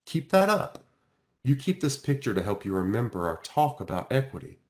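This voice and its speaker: A kindly male school counselor voiced by a man from a children's storybook. He is patient and reassuring, explaining gently with varied, animated intonation. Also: mid-range voice, moderate pace, close to an everyday voice.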